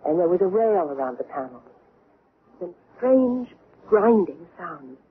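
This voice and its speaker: A woman's voice: lowish voice, very animated, a little slow, husky, full character voice. An actress playing a bewildered young woman in an old-time radio drama, recounting an alien abduction in a hesitant, wondering way. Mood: wondering, uneasy. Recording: tinny, band-limited, noisy radio recording.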